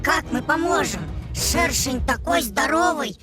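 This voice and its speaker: A woman voicing a small, timid but good-hearted bee in a children's cartoon, excitable and emphatic. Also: sits high, unhurried. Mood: panicked. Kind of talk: animated children's cartoon acting. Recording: loud music under the voice.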